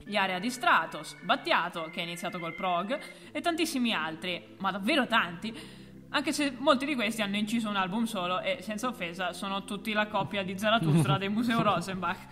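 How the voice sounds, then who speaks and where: A woman co-hosting a music history video, delivering a scripted explainer with deadpan, ironic asides. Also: mid-range voice, fairly quick, in a large hall. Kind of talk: scripted explainer with playful banter.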